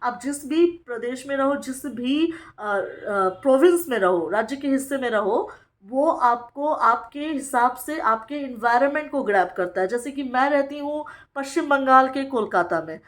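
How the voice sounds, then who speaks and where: A woman from Bihar, India, training teachers in a lecture. She reads English lines slowly, explains them, and keeps checking in with "okay?". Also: high-pitched, expressive. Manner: frequent "ठीक है" check-ins with the listener.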